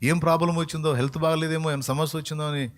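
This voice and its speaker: A man's voice: on the high side, flat delivery, rapid-fire. Emphatic preaching man. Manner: colloquial, emphatic preaching with acted-out dialogue. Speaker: pastor. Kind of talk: sermon.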